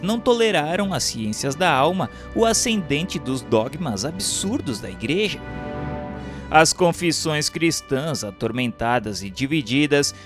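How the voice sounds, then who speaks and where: A Brazilian man narrates in a formal, solemn register, as if reading an audiobook. His mid-pitched voice is declamatory and carefully scripted. Instrumental music plays beneath his words. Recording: music bed under the voice.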